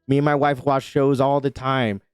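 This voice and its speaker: Man, podcast co-host, casual chat, rambling, swears, smooth resonant voice, dry close sound. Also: mid-range voice, little pitch movement, moderate pace, no room sound, faint music behind. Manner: loose and rambling, with frequent swearing and "you know what I mean". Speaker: father and husband.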